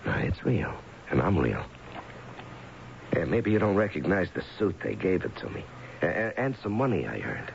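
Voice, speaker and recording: An actor playing a gruff, insistent ex-convict husband in an old-time radio drama, speaking colloquially and pushing with questions. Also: male voice, low voice, big pitch swings, normal speed, long pauses, heavily acted. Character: gruff, insistent husband just pardoned from prison. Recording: dull, noisy old radio broadcast.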